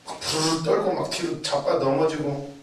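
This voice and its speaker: A man's voice: a little high, moderate pace. A man preaching a sermon, telling stories vividly, repeating key words for emphasis and acting out the voices he quotes. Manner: animated storytelling, acting out quoted voices and shouts. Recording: very echoey, mic far off.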